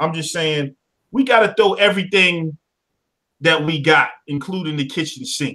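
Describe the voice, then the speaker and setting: With a raised, projected voice and a bright, sharp tone, a man speaks at a moderate pace. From Tennessee. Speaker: online talk show host. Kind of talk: casual livestream discussion. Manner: animated.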